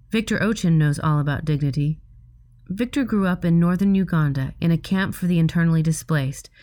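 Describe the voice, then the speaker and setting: A woman reading scripted narration in a measured, even way. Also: lowish voice.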